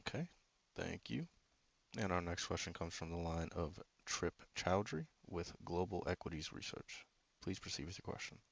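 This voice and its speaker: A man's voice: sits low, lively intonation, normal speed, gravelly. A man working as a conference call operator, formally and politely introducing callers from a script. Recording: dull, dry conference line.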